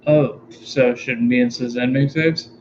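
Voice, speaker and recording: A man playing a tabletop role-playing game, speaking casually in a halting, apologetic manner. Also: medium pitch, steady tone. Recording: dull lo-fi mic with faint noise.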